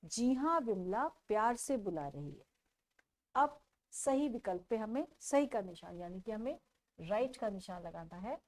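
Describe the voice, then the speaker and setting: A woman teaching a children's textbook lesson, repeating each question and answer slowly for young pupils. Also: medium pitch, expressive, darkish tone.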